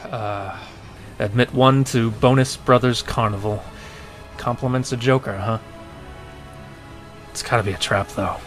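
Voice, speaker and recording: An actor playing a gruff, loyal police detective in a radio drama, informal and blunt. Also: male voice, medium pitch, steady tone, measured pace, pauses often, faint music behind, natural voice. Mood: concerned.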